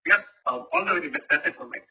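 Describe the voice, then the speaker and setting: An analyst, a man, politely asking questions on an earnings call in a halting way, repeating words. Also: bright, forceful tone. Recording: muffled, lo-fi phone conference line.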